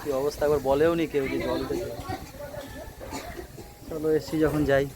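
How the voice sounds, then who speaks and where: A man's voice: mid-range voice, fairly even intonation, moderate pace, reverberant, crowd noise. A man chatting through a casual family vlog, teasing and talking with his family off camera. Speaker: vlogger, father.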